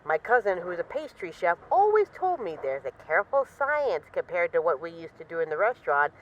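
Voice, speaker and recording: Woman as a witty, animated lady mafia boss. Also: lowish voice, fairly quick, lo-fi sound, a little hiss or hum. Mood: teasing, rueful. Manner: wry, boastful, teasing, mock-indignant, swearing casually. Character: witty, self-assured female mafia boss, bored, affectionately teasing her partner. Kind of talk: intimate audio roleplay monologue as voice messages.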